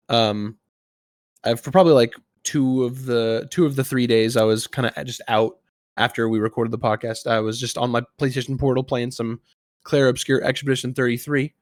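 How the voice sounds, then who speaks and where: Guy hosting a chill gaming podcast, dry sound, kinda halting mid-thought. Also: mid-range voice, no room sound. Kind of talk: casual chat.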